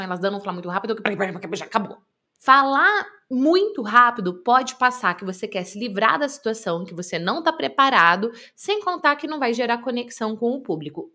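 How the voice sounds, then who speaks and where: A woman with a Brazilian Portuguese accent teaches public speaking straight to camera. Her voice sits a little high, and she stresses each point deliberately and circles back to key phrases. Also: sharp tone. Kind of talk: presenter-style teaching to camera. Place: indoors, filmed talking to camera.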